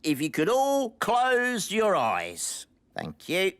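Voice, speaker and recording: A man playing a secretive, theatrical British pirate sea captain, dramatic and drawn-out, in a children's cartoon. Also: sits high, huge pitch swings, a bit bright, a little hiss or hum, exaggerated voice. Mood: flustered, wary.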